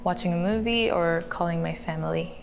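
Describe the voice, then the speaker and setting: Soft-spoken giggly teenage woman. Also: on the low side, a little fast, gravelly. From Canada. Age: teens. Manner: soft, giggly, many ums. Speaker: interviewee. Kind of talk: recorded profile interview. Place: photo studio room. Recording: clip played with faint music.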